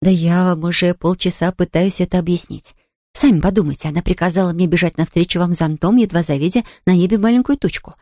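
A woman's voice: fairly low pitch, quick pace, warm tone, no room sound, studio quality, natural voice. A woman voicing a blunt, fussy household maid in an audiobook, in a scolding, matter-of-fact manner. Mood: fervent. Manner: blunt and scolding, then fervent. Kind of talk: audiobook character reading.

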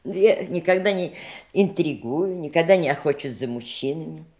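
An actress playing a dignified, candid mistress in an audio drama, reflective and wistful in a theatrical style. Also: female voice, low-pitched, moderate pace. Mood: candid, self-defending. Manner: reflective, expressive.

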